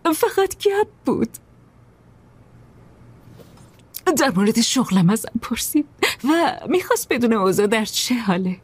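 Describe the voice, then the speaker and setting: An actress in her forties dubbing a married woman who hides a secret, speaking in a husky voice. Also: a little high, big pitch swings. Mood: nervous. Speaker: dubbing actor. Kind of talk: dubbed film dialogue.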